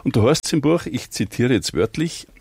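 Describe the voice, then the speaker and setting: A man hosting a radio talk show in the studio, chatty and relaxed, laughing easily. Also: medium pitch, normal speed, gravelly, slightly rough, dry recording. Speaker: radio host. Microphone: studio microphone.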